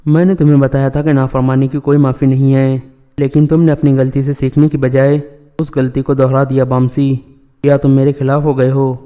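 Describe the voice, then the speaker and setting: A man reading the lines of a stern, commanding male tribal chief in a flat, even voice. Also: medium pitch, clean tone, highs cut off, natural voice.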